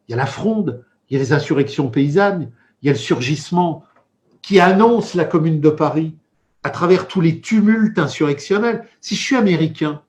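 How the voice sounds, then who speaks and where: A man's voice: fairly high pitch, darkish tone. A man delivering an impassioned political monologue, emphatic and rhetorical, repeating key phrases and packing his talk with dense theoretical vocabulary. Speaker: political commentator.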